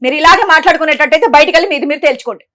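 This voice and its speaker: A woman hosting a family dispute talk show, mediating in a sharp, reproachful way. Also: high-pitched, very fast, no echo.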